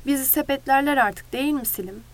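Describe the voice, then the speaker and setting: A woman's voice: sits high, brisk. A woman voicing a protective working man who urges his friend on in a storybook reading. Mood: worried. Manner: urgent, shouting encouragement. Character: protective male friend, worried worker.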